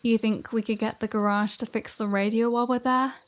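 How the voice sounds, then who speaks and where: A woman's voice: a little high, steady tone, fairly quick, close to an everyday voice. Sardonic flirty vampire woman, acted by a woman. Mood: wry, breezy. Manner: sarcastic, foul-mouthed, breezy banter. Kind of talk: scripted ASMR roleplay audio drama.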